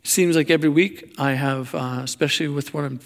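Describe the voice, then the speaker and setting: Male preacher, slightly high voice with heavy fry, halting and self-effacing sermon delivery. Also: fairly even intonation. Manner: halting, searching for words, self-deprecating. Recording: long hall reverb.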